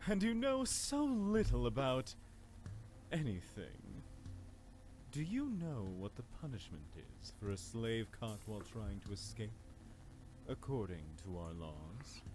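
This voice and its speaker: A man voicing a cruel, mocking grand vizier in a visual novel game, with smug, drawn-out, taunting delivery. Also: mid-range voice, sing-song. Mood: mocking, menacing. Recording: music playing behind the voice.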